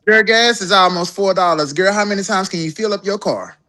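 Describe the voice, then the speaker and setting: Speaking fairly quickly with lively intonation, this podcast co-host, a trans woman, has a medium-pitched voice that sounds pushed and bright. She gets heated in the casual group conversation, repeating words, swearing, and addressing the others as "girl."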